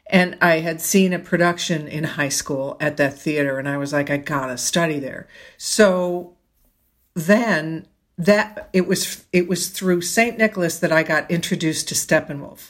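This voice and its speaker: A woman with an American accent speaks in an ordinary speaking voice, fairly low in pitch, at a fairly slow pace with ordinary pitch variation. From Oak Park, Illinois. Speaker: stage actor. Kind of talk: interview.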